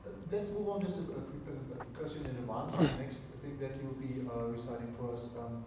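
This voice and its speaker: A man's voice: mid-range voice, a little fast, mellow. A man interviewing a guest, asking questions hesitantly with many restarts. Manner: hesitant, restarts a lot, searching for words. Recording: echoey room, mic far off, faint noise.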